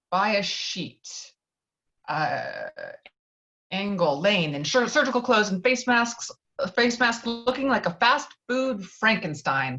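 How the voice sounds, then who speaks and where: A woman's voice: medium pitch, fairly bright tone. A woman reading out screenplay stage directions at an informal table read, now and then stumbling and correcting herself. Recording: dull lo-fi online call audio.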